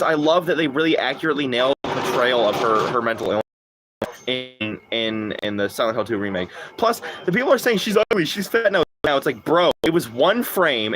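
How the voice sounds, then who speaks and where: Profane, excitable young male streamer. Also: background noise. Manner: profane, excitable, quick swings in pitch. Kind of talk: casual live-stream chat while gaming.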